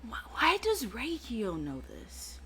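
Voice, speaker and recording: Woman, let's play host, excitable, stammering, bright voice, very lively pitch. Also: takes it slowly. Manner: excitable, stammering, reacts out loud. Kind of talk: game commentary.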